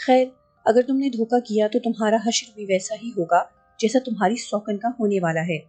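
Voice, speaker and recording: A woman's voice: medium pitch, dark tone, slightly rough, soft background music, lightly acted. A woman voicing a scheming, greedy male sorcerer who boasts, bargains and threatens.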